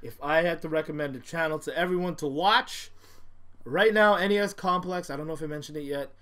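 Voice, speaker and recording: A man co-hosting a podcast, talking loudly and joking in casual chat, picked up by one shared table mic in a small room. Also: on the high side, a little fast. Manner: loud, joking, animated. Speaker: podcast co-host. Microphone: single shared tabletop mic.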